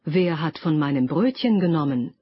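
Little storybook dwarfs all puzzled and fussy, a woman reading them, breathy voice, bit dull lo-fi sound. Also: deep voice, animated, normal speed, no echo. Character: seven kindly little male dwarfs, fussy. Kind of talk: audiobook fairy tale reading.

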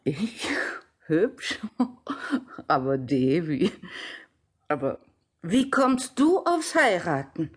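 An actress playing a kind-hearted, homely nursemaid in a radio drama, folksy and fussing. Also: female voice, on the low side, big pitch swings, very slow, slightly rough, exaggerated voice.

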